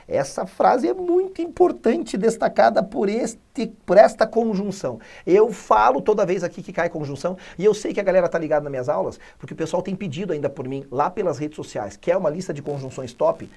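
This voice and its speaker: A man from Brazil teaching an exam-prep English lesson, energetic and chatty, reading English slowly and then explaining fast. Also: a little high, gravelly.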